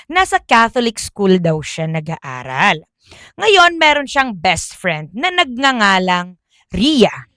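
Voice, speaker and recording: A woman's voice: mid-range voice, very animated, slow, pushed and bright, no echo. A woman telling a school ghost story in a casual, chatty way. She often stops to correct herself. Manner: chatty, self-correcting, Taglish.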